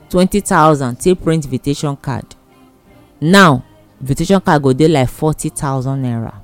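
A man with a Nigerian accent giving casual advice in an emphatic, repetitive, plain-spoken way. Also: a little high. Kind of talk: casual advice monologue in Pidgin.

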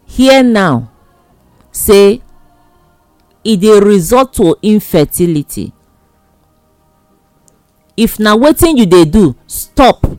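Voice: medium pitch, very animated, slow, long pauses, a little mellow, no room sound, soft background music. A speaker with a Nigerian accent giving admonishing advice in Nigerian Pidgin, in an emphatic, repetitive, exhorting way.

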